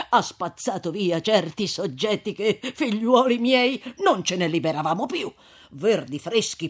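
A man's voice: a little high, husky. Don Abbondio, a man doing a timid old priest. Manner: chuckling, hesitant with drawn-out fillers. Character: elderly timid country priest, relieved and chatty. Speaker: parish priest.

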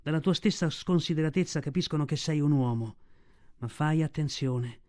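A man's voice: a little high, moderate pace, dark tone, natural voice. A man reading the part of a black female panther, speaking tenderly and proudly in an audiobook. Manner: tender, grave storytelling tone.

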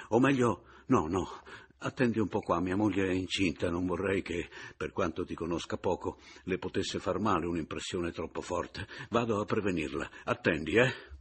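A man voicing an excitable middle-aged friend who exclaims and stammers, in a husky voice. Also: low voice.

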